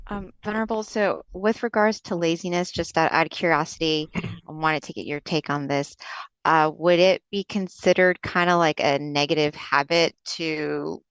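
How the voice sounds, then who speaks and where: A soft-spoken woman with a low voice reads out questions, polite and hesitant, with many ums. She speaks from a room over a video call. The sound is dry and close. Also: fairly even intonation, moderate pace, clean tone, no echo, rough recording. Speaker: moderator reading viewer questions. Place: room indoors.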